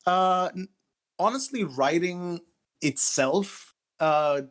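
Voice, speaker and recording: A man in his thirties speaking candidly and casually as an interview guest, with a halting, self-effacing manner. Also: high-pitched, a bit bright. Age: 30s.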